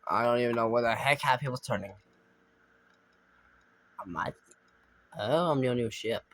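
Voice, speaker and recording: A man's voice: mid-range voice, moderate pace, fairly bright tone, slight background noise. A young man casually commentating his own gameplay as a streamer, rambling and thinking aloud, often trailing off mid-sentence. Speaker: gaming streamer.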